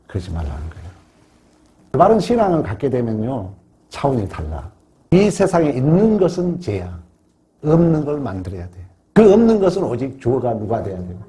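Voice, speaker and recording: A man's voice: medium pitch, wildly swooping pitch, normal speed, dark tone. A middle-aged male pastor preaching a sermon in an emphatic, conversational way, often asking the congregation questions.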